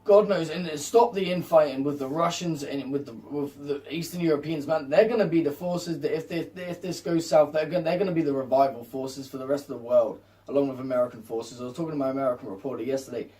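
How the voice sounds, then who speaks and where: A man with a fairly high but mellow voice makes an impassioned, insistent monologue to viewers. He repeats himself for emphasis and sits a little away from the mic. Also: quick pace, few pauses, distant mic. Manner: insistent, repetitive. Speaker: video host.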